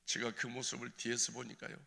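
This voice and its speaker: Guy, church elder testifying, raw and tearful, goes from hushed to crying out, long echo in the hall. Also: mid-range voice, monotone, quick pace, gravelly. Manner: impassioned, tearful, swinging between hushed and crying out. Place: church sanctuary.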